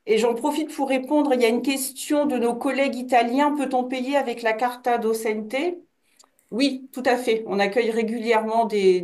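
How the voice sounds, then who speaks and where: A woman's voice: on the high side, a little mellow. A woman course coordinator answering questions in a webinar, informal, with fillers. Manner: informal, with fillers and brief backchannels.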